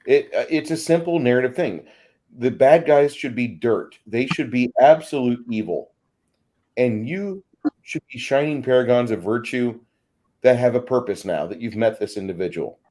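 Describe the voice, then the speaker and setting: A man's voice: medium pitch, moderate pace, darkish tone. A man speaking casually as a discussion panelist, emphatic and given to repeating his phrases.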